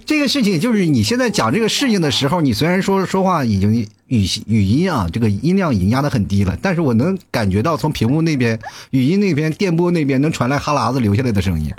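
Fast-talking teasing man with a northern accent. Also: medium pitch, breathy edge. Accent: Inner Mongolian. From Inner Mongolia. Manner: teasing, animated, joking. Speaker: livestream talk show host. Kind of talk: teasing livestream chat. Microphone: video call.

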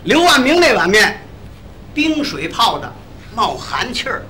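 A man tells a comic crosstalk story in a bright, high voice. His pitch swings widely as he jumps in and out of his characters, over a faint hiss. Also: unhurried. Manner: lively, briefly acts out each character in the tale. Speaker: lead crosstalk comedian.

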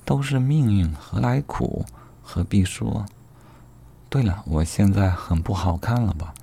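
A man voicing a frail, lovesick young lady who speaks softly and wistfully. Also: on the low side, a little slow, gravelly, husky, pitched above the performer's own voice, full character voice. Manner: soft, wistful.

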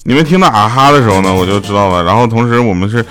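A man's voice: animated, rapid-fire, loud music behind the voice. A man, hosting a comic podcast and telling jokes, acting out the people in his stories. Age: 30s. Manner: joking, acts out quoted relatives with jumps in pitch. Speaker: podcast host. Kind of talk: comic storytelling monologue.

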